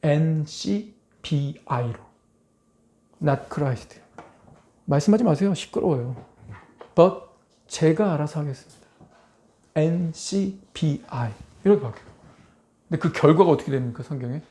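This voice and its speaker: A man's voice: on the high side, animated, slow pace, pauses often, dark tone. A male pastor preaching a sermon, emphatic, firing rhetorical questions at the congregation. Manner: acts out quoted voices in dramatic asides.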